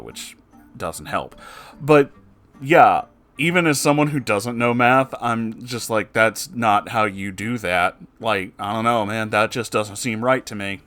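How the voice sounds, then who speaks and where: A man reading submitted stories aloud in a casual way, breaking in with animated, sarcastic and often sweary commentary. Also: fairly low pitch, measured pace. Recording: music behind the voice. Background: music.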